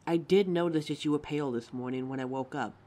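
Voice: mid-range voice, fast talker, darkish tone, natural voice. A performer playing a caring, anxious young werewolf partner in a roleplay audio drama, tender and fussing, stammering when flustered. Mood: worried, insistent.

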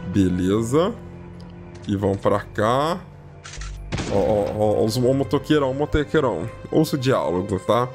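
A man giving casual, excitable commentary as he plays a video game, constantly calling out to his viewers. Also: a little slow, over music. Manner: chatty, repeats "ó" and "galera" constantly; lively and excitable, jumps in pitch when surprised. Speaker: gaming YouTuber.

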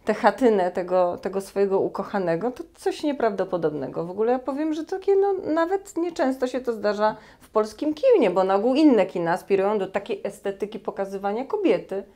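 Middle-aged woman host, mid-pitched, gushing admiring questions, lapel mic in a small room. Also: animated, fairly quick, few pauses, warm tone. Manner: effusive, with apologetic interruptions. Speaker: interviewer. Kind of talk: conversational interview. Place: small cozy room, indoors.

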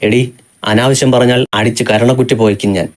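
A man's voice: mid-range voice, fairly even intonation, a little fast, close to an everyday voice. A man voicing a heavyset, bullying middle-aged man on a bus, sneering and threatening. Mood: sneering threats.

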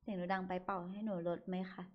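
A woman's voice: medium pitch, level tone, fast, highs cut off. A young woman hosting a casual livestream, chatty and giggly as she reads comments aloud and thanks viewers. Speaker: livestream host reading chat.

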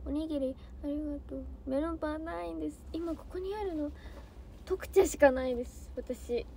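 High-pitched giggly young woman chatting on a livestream, faint hiss behind her. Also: normal speed, gravelly, dark tone. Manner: bubbly, giggly, easily flustered. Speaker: idol trainee livestreamer. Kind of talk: casual livestream chat reading comments.

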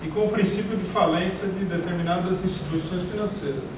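A middle-aged man with a Brazilian Portuguese accent giving a political lecture in a small meeting room, speaking in a measured way with many pauses and restarts. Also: high voice, steady tone. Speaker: party leader giving a lecture. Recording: echoey room, picked up from a distance, noisy.

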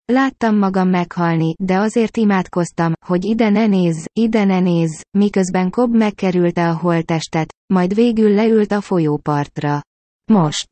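A woman reading a first-person story as an audiobook narrator, steady and measured with tense swells. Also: fairly low pitch, dry recording.

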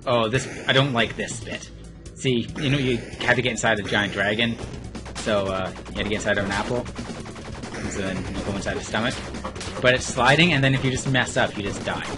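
Brief: male player, mid-pitched, casual running commentary, game music and gunfire behind. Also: brisk. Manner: offhand, running commentary while playing. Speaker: let's play player and co-host.

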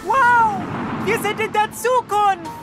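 High-voiced bratty cartoon boy. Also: takes it slowly, over loud music. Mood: gleefully greedy. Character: bratty, greedy cartoon schoolboy. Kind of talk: animated children's cartoon acting.

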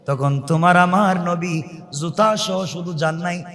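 A man delivers a waz sermon in a high voice, fervent and dramatic. He swings between quiet pleading and soaring chanted cries, and slips into sung recitation. The sound carries a long, echoing reverb, as from a big hall or a PA at a large gathering. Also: unhurried. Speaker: preacher.

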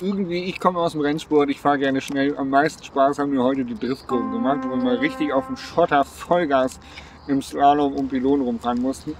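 A man in his thirties casually presenting tips to viewers, upbeat and talking with his hands, recorded outdoors on a gravel lot. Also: mid-range voice, slight background noise. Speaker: vlogger presenting driving tips. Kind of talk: casual explanatory vlog talk. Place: outdoors on a gravel lot beside a camper van.

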